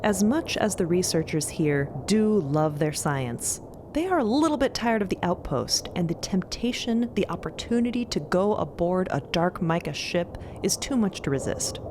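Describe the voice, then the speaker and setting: A woman's voice: on the low side, animated, normal speed, background noise. A woman narrating audio fiction in a storytelling style. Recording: music behind the voice.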